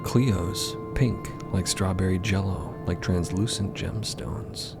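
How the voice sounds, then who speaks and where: A narrator delivers scripted drama prose at a slow pace. The telling is dramatic, with prominent music underneath. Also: sits low.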